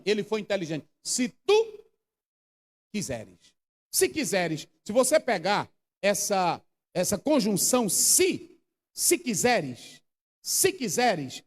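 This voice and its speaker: A male pastor with a strikingly high voice preaches with fire. He drops to near whispers, then climbs into fervent outbursts. His voice rings out through a big church hall with a long trailing reverb. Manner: fervent, swings from hushed to shouting, acts out quotes. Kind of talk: impassioned Pentecostal sermon.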